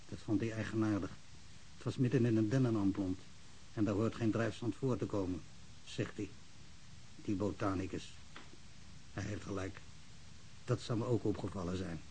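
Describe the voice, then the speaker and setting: A man's voice: lowish voice, mellow, lightly acted, low-quality recording. A male actor plays a small-town policeman in a radio drama. He is emotional and rambling, stumbling over and repeating his words. The recording carries a little noise. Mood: hesitant. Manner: stammering, repetitive, rambling.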